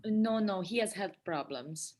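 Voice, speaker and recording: A woman's voice: mid-range voice, expressive, unhurried, a little mellow, soft background music, lightly acted. A woman playing a polite, motherly Spanish matron with brief replies in a script table read. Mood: polite, gentle. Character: polite, matronly Spanish housekeeper named Pilar.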